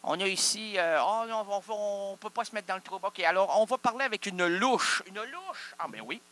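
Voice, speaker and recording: Man, Québécois accent, absurd improvised comedy, punning ramble, bright forceful voice. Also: high voice, expressive, fairly quick. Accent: Québécois French. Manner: rambling wordplay, laughing at his own puns, asks and answers himself. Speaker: comic performer.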